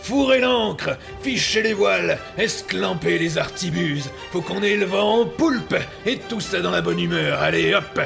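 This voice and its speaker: Man acting a creaky, pompous bumbling pirate captain. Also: high-pitched, expressive, a little slow, few pauses, over music, full character voice. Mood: rousing. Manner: pompous, blustering, stammering when cornered. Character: bumbling, boastful male pirate captain, a poor sailor. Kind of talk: French comic audio drama acting.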